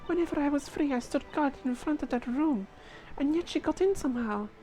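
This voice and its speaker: A woman's voice: high-pitched, lively intonation, a little fast, mellow, voice pushed up. A woman voicing a defeated female jewel thief from a game, confessing in a put-on accent. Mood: anxious, confessing.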